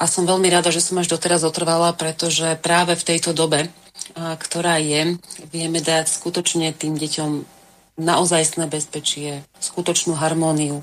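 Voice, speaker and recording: At a moderate pace, a woman talks in a fairly low pitch with a monotone, flat intonation. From central Slovakia. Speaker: school founder. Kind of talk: online panel discussion.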